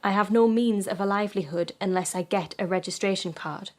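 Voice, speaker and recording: An actress playing a destitute petitioner, reading out a formal historical letter. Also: female voice, mid-range voice, a little fast, darkish tone, lightly acted. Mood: plaintive, formal.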